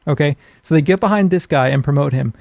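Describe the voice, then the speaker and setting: A man's voice: fairly high pitch, fast talker, gravelly, darkish tone, no room sound, studio quality. A man co-hosting a casual podcast in a blunt, opinionated, ranting way, swearing freely. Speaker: podcast co-host. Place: small home office.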